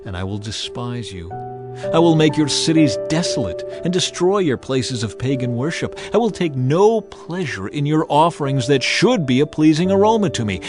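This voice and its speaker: Man voicing a solemn, commanding God over music. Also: a little high. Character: God of the Bible, stern, authoritative male lawgiver. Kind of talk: dramatized scripture reading.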